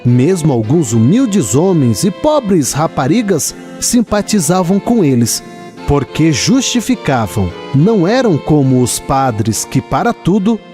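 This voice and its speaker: A Brazilian man narrating a literary radio drama in a measured, expressive storytelling manner. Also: fairly high pitch, soft background music.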